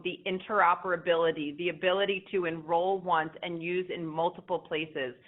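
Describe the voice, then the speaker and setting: Woman executive on a tinny phone line. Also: lowish voice. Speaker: company executive. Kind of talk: answering questions on an earnings call.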